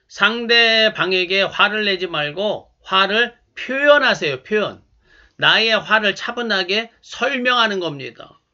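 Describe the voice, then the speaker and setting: Man preaching, high voice, calm and measured, instructive sermon, muffled lo-fi sound. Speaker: pastor.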